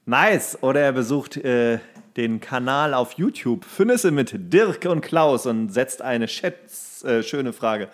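A man's voice: mid-range voice, expressive, slow. A man co-hosting a casual podcast, talking enthusiastically about films and slipping into acted-out quotes. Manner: enthusiastic, acts out movie quotes. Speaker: podcast co-host. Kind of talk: casual film chat.

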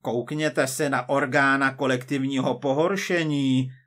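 A man voicing a loud, jovial, blustering male film director. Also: mid-range voice, fairly even intonation, close to an everyday voice. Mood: brash.

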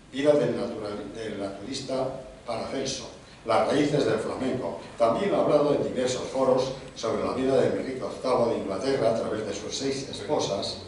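A middle-aged man at a panel table introducing an author at a book launch. He works through a long biography in measured lists, with small hesitations and restarts. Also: medium pitch, darkish tone, distant mic, a little hiss or hum. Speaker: event host presenting an author. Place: large conference room, seated at a panel table. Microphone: table microphone. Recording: very echoey hall, voice from off-mic.

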